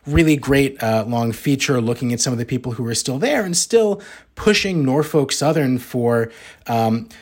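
A man's voice: medium pitch, animated, moderate pace. Casual man hosting a news podcast. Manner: conversational, frequent ums and asides. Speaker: podcast co-host.

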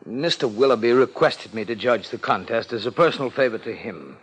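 An actor playing a nervous, evasive professional gentleman in a 1950s radio drama, speaking formally and hesitantly with stammered repeats. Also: mid-range voice, animated, fairly quick, husky, poor audio. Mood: uneasy, guarded.

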